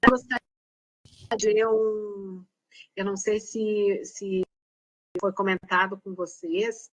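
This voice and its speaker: A woman teacher speaking on a video call whose audio keeps breaking up and dropping out, her phrases halting and cut short. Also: mid-range voice, fairly even intonation, a bit bright, no room sound, rough recording. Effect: glitchy audio that keeps cutting out. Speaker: teacher asking a question in an online class. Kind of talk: casual remarks on a video call. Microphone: video call from home network.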